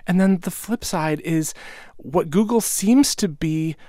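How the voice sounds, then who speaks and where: A man on a podcast panel, animated and quick to laugh, thinking aloud on a close studio mic. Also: sits high, no echo. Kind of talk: casual panel discussion.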